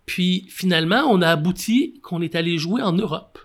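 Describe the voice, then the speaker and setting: A French-speaking man from Quebec, a football coach, telling stories in a casual interview, animated and full of fillers and restarts. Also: sits high, normal speed. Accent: Québécois French.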